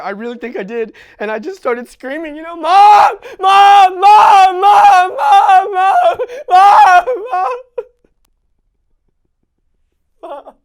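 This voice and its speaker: A young male actor playing a young man who recounts a traumatic childhood in a dramatic stage monologue, raw and confessional. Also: sits high. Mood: frantic, anguished. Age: young adult. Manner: raw and confessional, swinging between hushed recollection and sobbing screams.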